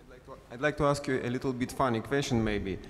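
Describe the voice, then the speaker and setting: A man's voice: mid-range voice, fast. A man speaks from the audience into a handheld mic, repeating his question and checking that he is understood. The sound rings out in a large hall with a long reverb. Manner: repeats himself, seeks confirmation. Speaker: audience member. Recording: echoey hall.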